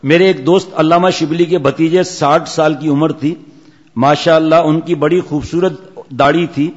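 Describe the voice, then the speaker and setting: A middle-aged man preaches, telling stories and breaking off to joke with his listeners. His voice sits a little high. The recording is muffled and carries a long reverb from a large hall. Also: steady tone. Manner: storytelling, jokey asides to listeners. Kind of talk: Islamic sermon with anecdotes.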